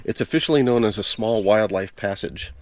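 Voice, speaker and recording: A man's voice: on the low side, brisk, a little mellow, a little hiss or hum. A man outdoors at a border wall explaining matter-of-factly as a wildlife guide in an interview. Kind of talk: casual field interview.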